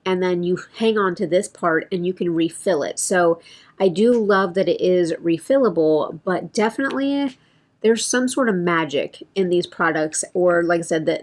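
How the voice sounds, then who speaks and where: A woman beauty vlogger chatting casually through a product update, thinking aloud and correcting herself, with a voice that feels a bit strained. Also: lowish voice.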